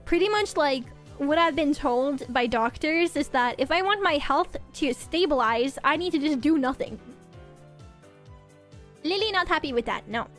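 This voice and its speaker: A woman's voice: high-pitched, animated, normal speed, a bit bright, soft background music. A young woman from Norway, chatting casually with her stream viewers and often restarting and repeating her words.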